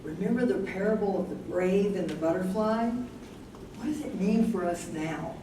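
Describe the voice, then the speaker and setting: A woman in a staged play reading, playing an ambitious, principled young woman weighing marriage, with measured delivery. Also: mid-range voice, lightly acted. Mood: tender, hesitant. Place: live staged reading in a room. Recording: very echoey room, distant mic, noisy.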